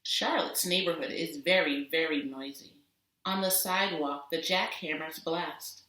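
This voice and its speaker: A woman teacher giving an expressive storybook read-aloud for children, deliberate and with dramatic emphasis. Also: deep voice. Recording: roomy echo, distant microphone.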